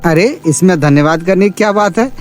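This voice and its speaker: A man's voice: high voice, unhurried, a little mellow, soft background music. A man voicing a shop owner in a cartoon story, emphatic and familiar in his talk. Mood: jovial, generous. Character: male shop owner, jovial boss turned harshly angry.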